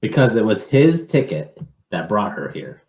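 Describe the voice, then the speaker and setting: A man reading a picture book aloud to children in an expressive, measured way, with informal asides. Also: on the low side, roomy sound, poor audio.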